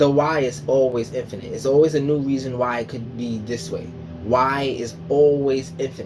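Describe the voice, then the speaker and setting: Over noticeable background noise and audible room echo, a man speaks at a moderate pace and medium pitch with ordinary pitch variation. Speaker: tarot reader. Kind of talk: tarot reading monologue. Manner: casual, conversational; occasional stutter.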